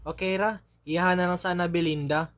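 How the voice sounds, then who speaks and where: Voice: mid-range voice, steady tone, brisk, fairly bright tone, close to an everyday voice. An actor voicing a playful, smitten young gay man with a Cebuano accent in a radio drama. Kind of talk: amateur radio drama acting.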